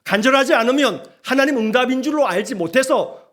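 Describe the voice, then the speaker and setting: A male pastor delivers a sermon in a church sanctuary. His voice sits high and swings widely as he coaxes the congregation to repeat lines back to him. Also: a little fast. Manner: animated, coaxing the congregation to repeat aloud.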